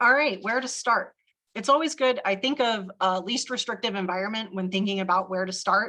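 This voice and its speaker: A woman with a bright, sharp tone talks fairly quickly at a fairly high pitch, her pitch varying in an ordinary way. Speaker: assistive technology trainer for teachers of the visually impaired. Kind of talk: webinar presentation.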